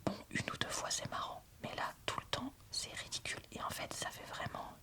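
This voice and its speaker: A woman whispers in a breathy, unvoiced ASMR style, speaking informally and frankly as she reads and reviews books. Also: brisk. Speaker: book reviewer.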